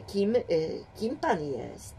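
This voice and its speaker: A woman's voice: on the low side, unhurried, gravelly, warm tone, slight background noise. A woman voicing a nervous young man, a novice thief who stammers and hesitates. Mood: timid. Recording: distant home mic.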